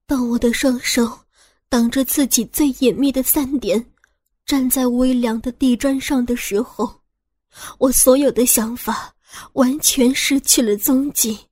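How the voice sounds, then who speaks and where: A woman narrating a first-person audio story in a slow, hushed, tense way. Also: sits high, dry recording, studio quality.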